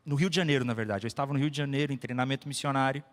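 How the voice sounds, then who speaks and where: His mid-range voice keeps a steady tone but comes out rapid-fire as this Brazilian pastor preaches. He leans on personal stories and emphatic repetition, and the recording carries the long reverb of an echoey hall.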